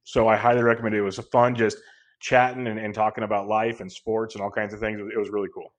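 A man in his thirties hosting a podcast, loud and carrying, talking earnestly and rambling with many restarts. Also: on the low side, little pitch movement, quick pace. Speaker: podcast host. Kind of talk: casual podcast chat.

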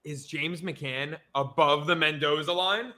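A man co-hosting a casual sports podcast, excitable and jokey. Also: fairly high pitch, unhurried, crowd noise. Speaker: podcast co-host.

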